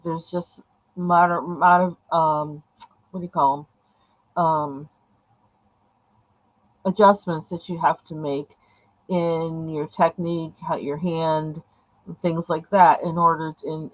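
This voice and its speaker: A woman's voice: on the low side, dry recording, low-quality recording. A woman with a voice that is going, chatting casually and rambling with many fillers while unboxing pens at her desk. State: losing her voice. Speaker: vlogger unboxing art supplies. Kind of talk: casual chat. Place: indoors at a home desk. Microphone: camera over the desk, hands seen.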